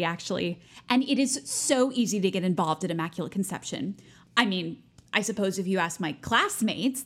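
An actress playing a self-righteous, overbearing Catholic high school senior girl in an audio play, chirpy, pushy and self-important. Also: natural voice. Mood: eager, bossy. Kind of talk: naturalistic audio drama acting.

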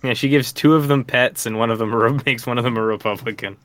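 A man co-hosting a casual podcast, chatty and quick to laugh, with plenty of fillers. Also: mid-range voice, fairly bright tone. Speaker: podcast co-host.

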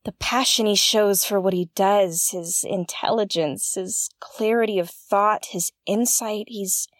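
A woman's voice: mid-range voice, steady tone, unhurried, no echo, clean studio sound, natural voice. A woman playing an earnest, intense investigator who hosts a conspiracy podcast in an audio drama. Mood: smitten, admiring. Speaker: podcast host. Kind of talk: scripted audio drama narration.

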